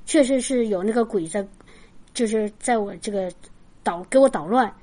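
A woman sharing a personal Christian testimony in casual storytelling, animated, with frequent restarts and bits of quoted dialogue. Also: a little high, moderate pace. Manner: lively retelling with restarts and laughs.

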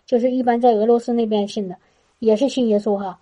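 Woman, church testimony, chatty storyteller with many restarts. High, mellow voice on a dull, lo-fi recording. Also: fairly even intonation, fast. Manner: chatty, with frequent restarts and a tag particle at phrase ends. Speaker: church speaker giving a testimony.

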